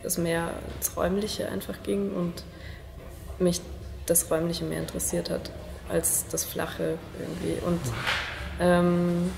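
A woman's voice: fairly low pitch, level tone, unhurried, vocal fry. A woman in her twenties from Munich, a stage design student, speaking hesitantly in an interview with many fillers. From Munich, Germany. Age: 20s. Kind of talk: casual interview talk. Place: indoor studio room. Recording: echoey room with audible noise.

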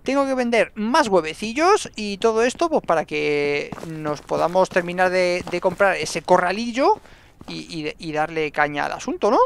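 A man giving excitable gameplay commentary and talking to himself as he plays. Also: high voice, normal speed, gravelly, a little hiss or hum. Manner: excitable, talks to himself and the game. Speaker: gaming YouTuber.

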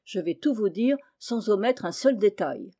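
A woman's voice: mid-range voice, animated, unhurried, mellow. A woman reading the part of an anxious, respectable middle-aged landlady in an audiobook, agitated and pleading.

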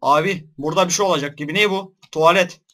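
A young man giving let's-play commentary on a horror game, jumpy and shouting in fright, then joking. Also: high-pitched, quick pace. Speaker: gaming YouTuber.

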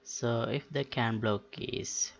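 A man giving an unscripted software tutorial, halting as he thinks aloud. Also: mid-range voice, steady tone, gravelly, highs cut off. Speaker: tutorial host.

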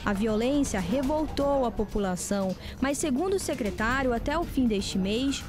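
High-voiced Brazilian woman reporting news. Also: animated. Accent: Brazilian Portuguese. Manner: measured, formal voice-over. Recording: TV news report with music bed.

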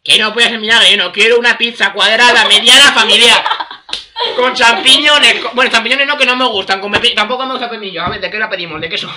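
A man's voice: sits high, fast talker, crowd noise. A young man with an accent from Spain, clowning and mocking in joking phone banter. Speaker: YouTube gamer.

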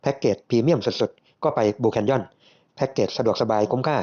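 A man's voice: mid-range voice, fairly quick, darkish tone, highs cut off, lightly acted. Man doing an eager, exclaiming businessman.

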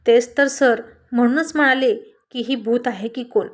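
A woman's voice: a little high, moderate pace, natural voice. A woman doing an amazed young college girl. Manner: incredulous, teasing. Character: astonished young female college friend.

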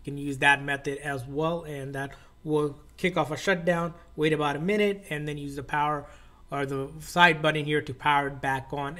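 A man with a slightly higher-than-average voice hosts a how-to tutorial. He explains things step by step in an informal, instructional manner. He tends to circle back and repeat his phrasing as he goes. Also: a bit bright. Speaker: tech tutorial host.

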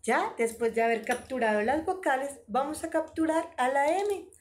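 A woman's voice: high-pitched, expressive, moderate pace, a little hiss or hum. A woman teaching an online preschool lesson, talking in an exaggerated, sing-song, encouraging way.

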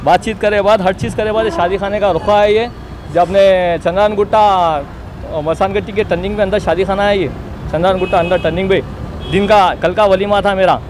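An interviewee for local news, this young Hyderabadi man has a high-pitched voice with fairly even intonation and a brisk delivery. Outdoors next to a street wall, with street noise behind him, he insistently repeats and justifies his personal account to reporters.

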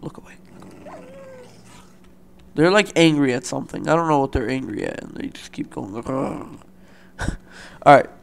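A young man hosting a let's play, talking loosely with lots of fillers, his voice a bit raspy from the morning, at a desktop mic at home. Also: mid-range voice, a little slow, pauses often. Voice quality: loose, rambling, filler-heavy. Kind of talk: casual gameplay commentary.

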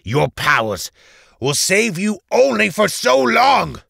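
A man's voice: high-pitched, big pitch swings, slow pace, creaky, sharp tone, dry recording, clean studio sound, voice pushed up, exaggerated voice. A man voicing a wrathful male necromancer in a fantasy audiobook, bellowing venomous, defiant threats. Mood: defiant rage. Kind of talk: dramatic fantasy audiobook character.

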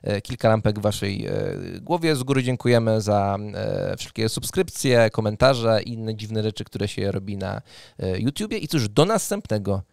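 Guy hosting a chatty podcast, smooth voice w some fry, halting, close dry mic. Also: fairly low pitch, expressive, darkish tone, no echo. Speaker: podcast host. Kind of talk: casual podcast chat. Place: indoor home studio room. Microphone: close studio mic on arm.

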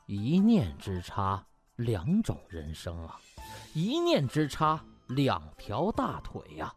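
A man's voice: mid-range voice, wildly swooping pitch, takes it slowly, faint music behind. A man reading a story as an audiobook narrator, dramatic and emphatic in his scripted delivery.

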